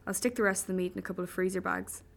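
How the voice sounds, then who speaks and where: A woman's voice: lowish voice, steady tone, rapid-fire, gravelly. Woman doing a blunt dry-voiced Irish young man.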